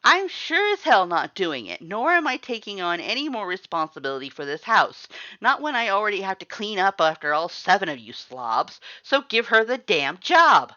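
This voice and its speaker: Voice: medium pitch, very animated, moderate pace, pushed and bright, no echo, highs cut off, pitched above the performer's own voice. A performer voicing a cold, imperious skeleton lord in a fan fiction reading, haughty and impatient, scolding in clipped commands. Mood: angry, scolding.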